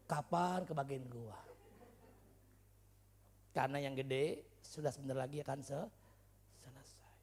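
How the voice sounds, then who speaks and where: Gravelly, husky preaching man. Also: medium pitch. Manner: swings from loud shouting to quiet asides; humorous, storytelling, chatty slang. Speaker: pastor. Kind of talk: sermon. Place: church service.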